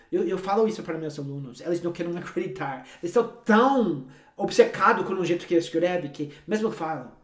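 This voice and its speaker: A man's voice: fairly high pitch, darkish tone. A man whose first language is English, teaching a language lesson straight to the viewer in an emphatic, repetitive, coaxing way. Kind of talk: direct-to-camera language lesson. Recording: roomy echo.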